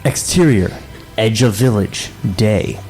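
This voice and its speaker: A man co-hosting a comedic table read, reading stage directions with wry, quick asides and frequent laughs. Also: on the low side, animated, creaky, over loud music.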